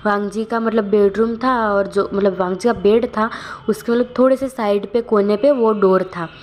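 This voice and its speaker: A woman's voice: medium pitch, steady tone, moderate pace, a little mellow. A woman casually narrating a fan-fiction story, rambling with many filler words. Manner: loose retelling with frequent filler words.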